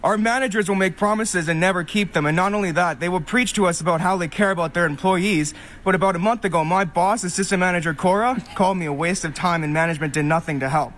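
A man's voice: high-pitched, quick pace, hardly any pauses, fairly bright tone, a little hiss or hum. A young man reading an angry, stumbling resignation announcement over a store intercom. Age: young adult. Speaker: store employee quitting.

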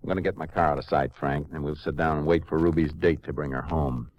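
An actor playing a stern, sardonic Texas Ranger who talks and narrates in a firm, dry, terse way in a 1950s radio drama. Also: male voice, extremely low pitch, steady tone, quick pace, lo-fi sound. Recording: old 1950s radio recording.

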